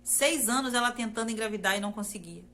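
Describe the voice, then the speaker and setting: A woman from Brazil delivers her faith testimony at a quick pace in a high-leaning, fairly bright voice. She is earnest and repetitive, regularly speaking directly to her listeners.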